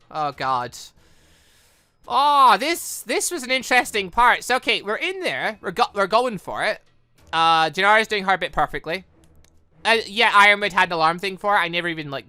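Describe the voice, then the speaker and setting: Let's Play host, very lively intonation, rambling excitable reactions, close dry sound over music. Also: medium pitch, no echo. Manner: rambling, thinking aloud, exclamatory. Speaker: gaming channel host. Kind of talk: excited game playthrough commentary with rambling reactions.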